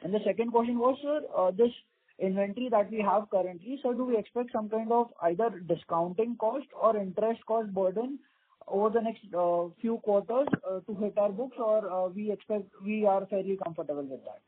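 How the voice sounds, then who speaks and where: A husky-voiced man calls in over a narrow, tinny phone line. He asks long, rambling questions, addressing the listener as sir at nearly every turn. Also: sits high, fairly quick. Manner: deferential, says sir constantly, rambling questions. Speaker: investment analyst caller. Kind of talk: earnings call question.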